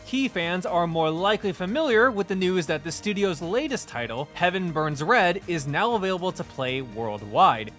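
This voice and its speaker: A man's voice: a little high, sharp tone. A man presenting a scripted review in an earnest, enthusiastic way, like an online video host.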